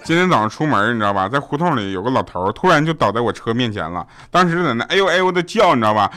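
In his audio show, a male host delivers stand-up comedy in a mid-range voice while faint music plays behind him. He builds jokes with a deadpan setup, lands them quickly, and frequently checks in with the listener: "you know?"

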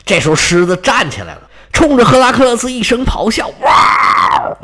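A man's voice: extremely high pitch, very animated, fast talker, a bit bright, shouting. A man telling a myth in a chatty, folksy storyteller manner, adding sound effects. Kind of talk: storytelling narration.

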